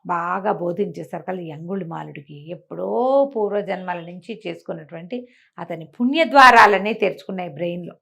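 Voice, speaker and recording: A woman telling moral tales aloud in an animated, conversational way, explaining as she goes and acting out dialogue. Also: lowish voice, a little fast, creaky. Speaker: storyteller.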